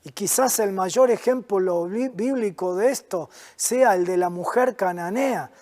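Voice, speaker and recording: A man preaching a sermon, his voice sitting unusually high for a man. He speaks slowly and earnestly and sometimes sinks into hushed, intense stretches. A long hall reverb trails behind every phrase. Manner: earnest preaching, dropping to soft, low, intense passages. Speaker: pastor.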